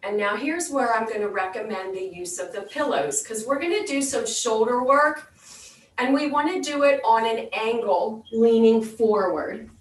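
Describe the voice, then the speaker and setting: A woman's voice: a little high, moderate pace. A woman fitness instructor leading an exercise class, giving step-by-step instructions and counted cues. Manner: clear step-by-step cueing. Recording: roomy echo, distant microphone.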